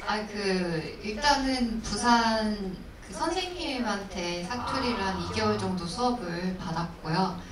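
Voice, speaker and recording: A woman answering questions on stage at a film screening Q&A, speaking thoughtfully with pauses and fillers. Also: medium pitch, expressive, a crowd in the background. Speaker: actress at a film Q&A. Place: cinema hall with audience. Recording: echoey cinema hall from far off, noisy.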